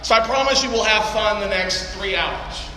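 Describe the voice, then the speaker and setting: Loud joking man on a conference stage. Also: sits high, moderate pace. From Texas. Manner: loud, joking and brash, swears casually. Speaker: seminar speaker. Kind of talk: live seminar talk to an audience. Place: large conference hall. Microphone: handheld or stage mic through PA. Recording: echoey hall, noisy room.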